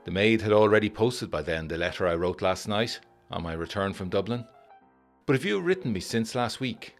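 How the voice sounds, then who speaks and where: An actor playing a haunted, introspective 1920s gentleman and former army captain, reading a letter in a formal, measured, grave way in a gothic audio drama. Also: fairly low pitch. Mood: relieved, tender.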